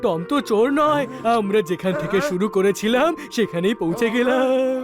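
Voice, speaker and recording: An exasperated cartoon sidekick with an extremely high voice. The nitpicking delivery sits under loud cartoon music. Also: male voice, animated, moderate pace. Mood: earnest. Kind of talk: Bengali cartoon dubbing.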